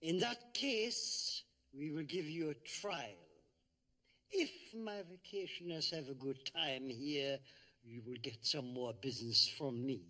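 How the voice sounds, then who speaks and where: A man's voice: a little high, slow, bright, forceful tone, exaggerated voice. An actor playing a demanding alien male tour operator in 1960s TV sci-fi acting, stiff and threatening. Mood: stern.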